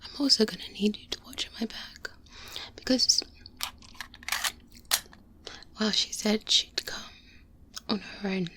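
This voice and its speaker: A woman playing a confident, wary vampire hunter mentor in a soft-spoken, breathy ASMR roleplay, close to the microphone with hesitant pauses. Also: mid-range voice, lightly acted. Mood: cautious, serious. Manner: slow, hesitant pauses, intimate. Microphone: close-up binaural microphone.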